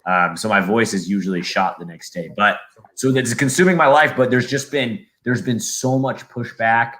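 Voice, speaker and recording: A man's voice: mid-range voice, normal speed, fairly bright tone. A young man with a Southern California accent, a play-by-play announcer chatting on a podcast, rambling with lots of fillers and restarts. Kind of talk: casual podcast chat.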